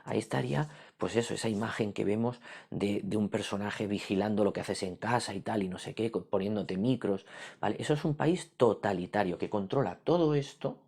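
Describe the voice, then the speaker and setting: A man's voice: lowish voice, fairly quick, creaky, a little mellow, breathy edge. A middle-aged man, giving a casual history lesson, asking himself questions and checking in with "¿vale?" as he goes. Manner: rhetorical questions with frequent "¿vale?". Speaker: history teacher.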